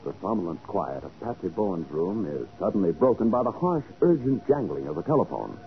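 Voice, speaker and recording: A man's voice: sits low, sing-song, brisk. A man reading dramatic scripted narration for a 1940s radio play. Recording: dull old radio recording.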